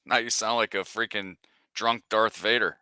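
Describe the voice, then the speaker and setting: A man's voice: lowish voice, bright, forceful tone, smooth, no echo, clean studio sound. A man co-hosting a casual sports chat, joking bluntly and swearing now and then. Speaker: podcast co-host.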